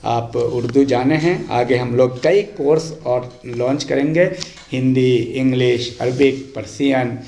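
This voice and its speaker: A man giving a language lesson, reading practice sentences aloud in a deliberate, instructive way, line by line. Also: medium pitch, fairly even intonation, gravelly, mellow. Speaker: language teacher. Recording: echoey untreated room.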